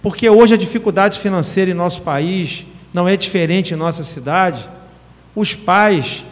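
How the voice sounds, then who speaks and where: A man's voice: high-pitched, normal speed, big-room sound. Earnest fifty-something councilman in a chamber. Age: 50s. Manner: earnest, with many fillers. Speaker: city councilman. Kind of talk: formal council speech.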